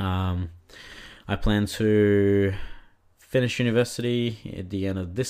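The tone is dark and mellow. Pitch varies an ordinary amount. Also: man. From Brazil. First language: Portuguese. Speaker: podcast host, engineering student. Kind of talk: casual solo podcast monologue. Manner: hesitant, many fillers.

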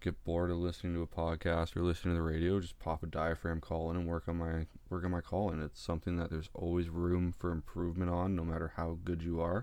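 A man with a Canadian accent talks at a fairly quick pace in a very deep, low voice. His intonation is monotone and flat, and the recording is very clean with a silent background. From Ontario, Canada. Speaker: hunting podcast host. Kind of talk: solo podcast monologue. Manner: casual, many filler words.

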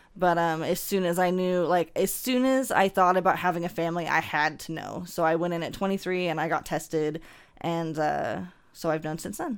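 A woman talks at a moderate pace in a normal speaking voice. Her pitch is fairly low with ordinary variation, on a very clean recording with a silent background. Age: 30s. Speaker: patient with Huntington's disease. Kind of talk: interview.

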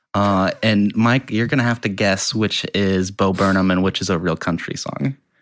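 With an American accent and an unremarkable speaking voice, a man talks at a moderate pace and a fairly low pitch, with ordinary pitch variation and very even loudness, in a very clean recording with a silent background. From small-town Missouri. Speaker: podcast co-host. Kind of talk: casual chat.

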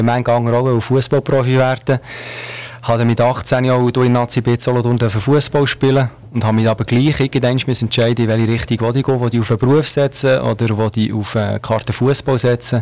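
Over noticeable background noise, a man of medium pitch talks at a fairly quick pace in a monotone, with very even loudness. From Switzerland, Canton Solothurn. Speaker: insurance agency manager. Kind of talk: radio interview. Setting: radio studio.

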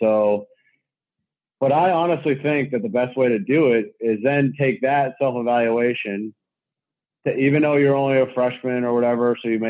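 At a moderate pace, a plain, everyday voice with an American accent speaks with ordinary pitch variation. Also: man. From Massachusetts, Cape Cod. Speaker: lacrosse recruiting consultant and coach. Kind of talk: casual interview.

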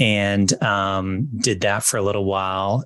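Speaking at a fairly slow pace with an American accent, this man has a fairly low pitch and an unremarkable speaking voice, recorded over a quiet background. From United States. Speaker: podcast co-host. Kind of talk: casual chat.

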